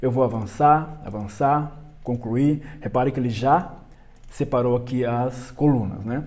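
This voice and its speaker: A man speaking at a fairly slow pace. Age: 30s. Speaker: online course teacher and founder. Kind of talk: tutorial. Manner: casual.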